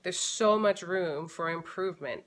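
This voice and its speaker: A woman in her thirties talks casually to a camera set close in front of her at home. Her voice sits a little low, and she thinks aloud as she goes, full of fillers and restarts. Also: unhurried. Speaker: family vlogger. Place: living room at home.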